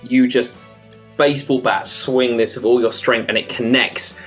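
A man's voice: medium pitch, steady tone, normal speed, fairly bright tone, slightly rough, soft background music. A man narrating a tabletop game as game master, in loose, chatty talk full of fillers and laughs.

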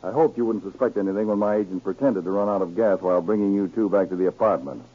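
Stern old radio g-man boss, husky, commanding, tinny 40s recording. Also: lowish voice, quick pace. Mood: stern, accusing. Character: authoritative, stern male government counterspy chief. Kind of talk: 1940s radio drama acting. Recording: scratchy, narrow-band 1940s radio recording.

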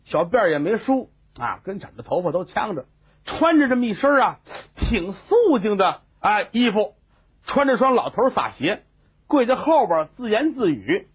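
An animated male storyteller tells a comic tale in a fairly high voice that swoops lively up and down. His tone is husky. The sound is tinny and phone-like. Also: normal speed. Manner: animated and voicing many characters.

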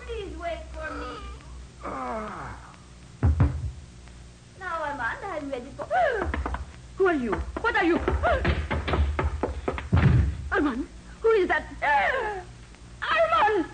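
A woman's voice: very high-pitched, big pitch swings, a little slow, heavily acted. An actress playing a flirtatious, coy French lady with a French accent in a 1940s radio drama. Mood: frightened. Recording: very noisy old 1940s radio recording.

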